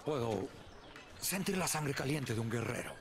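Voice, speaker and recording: An actor playing a brooding, scornful older poet and guerrilla veteran, melodramatic, in a video game. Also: male voice, medium pitch, sing-song, normal speed, noisy background. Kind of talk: dramatic video game acting. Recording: loud game music behind the voice.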